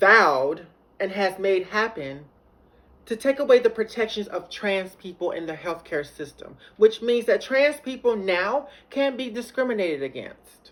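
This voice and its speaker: A woman's medium-pitched voice with an American accent, lively intonation, big swings in loudness and a moderate pace. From Greenwood, Mississippi. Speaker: motivational speaker and activist. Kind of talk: motivational speech. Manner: impassioned, rousing.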